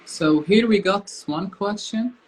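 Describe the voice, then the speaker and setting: Brief: male moderator, somewhat high voice, polite and hesitant. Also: poor audio. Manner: polite, hesitant, fills pauses with uh. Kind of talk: interviewer asking questions.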